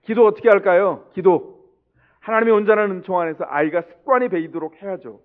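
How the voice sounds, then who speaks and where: A man's voice: sits high, fast. A middle-aged man preaching a sermon as pastor, putting rhetorical questions to the congregation and acting out the people in his stories. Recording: tinny, narrow-band lo-fi sound.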